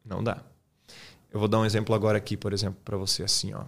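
A man with a Brazilian Portuguese accent, an English teacher explaining his method in a relaxed, colloquial chat, often tagging his sentences with quick questions. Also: on the low side, gravelly. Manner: relaxed, colloquial, peppers speech with tag questions.

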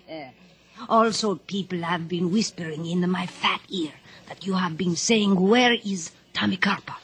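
An actress playing a big, jolly, flirtatious Cuban dance-hall madam in a radio drama, effusive, with a Cuban Spanish accent. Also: female voice, on the low side, unhurried, a bit bright, husky, heavily acted. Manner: effusive, theatrical, teasing. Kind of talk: 1950s radio drama acting.

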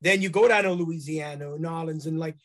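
Halting high-voiced man in his forties. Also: a bit bright. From Canada. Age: 40s. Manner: rambling, halting, swears casually. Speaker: guest musician. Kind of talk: casual interview chat.

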